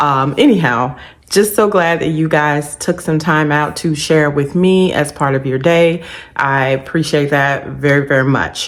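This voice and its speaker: A woman's very deep, low voice with ordinary pitch variation at a fairly slow pace. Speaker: book reviewer. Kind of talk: casual talk to camera.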